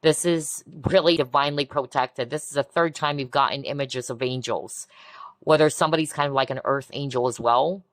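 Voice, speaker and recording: A woman giving a collective tarot reading in a soft, reassuring way, often breaking into amazed exclamations. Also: extremely low pitch, steady tone, fairly quick, dry recording. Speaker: tarot reader. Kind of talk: pick-a-card tarot reading.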